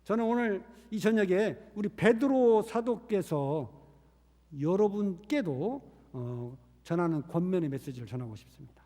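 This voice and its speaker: The missionary's high, mellow voice is animated yet measured as he preaches in a church sanctuary with a reverberant sound. Earnestly storytelling, he performs the quoted voices himself.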